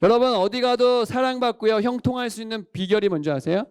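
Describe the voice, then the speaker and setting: A man's voice: very high-pitched, fast talker, clear, resonant tone, no echo. A male pastor preaching a sermon, quizzing the congregation and calling for amens. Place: church worship service.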